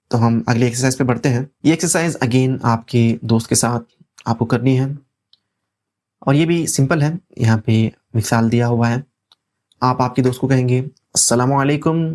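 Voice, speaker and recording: A teacher with a South Asian accent and a medium-pitched voice leads a language lesson. Each phrase is said deliberately, repeated, and then translated step by step. The delivery is plainly instructional, recorded on a lavalier microphone. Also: a little mellow.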